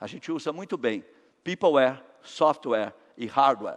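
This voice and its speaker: This man talks in an animated tone. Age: 60s. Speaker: company founder, motivational speaker. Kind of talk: motivational talk.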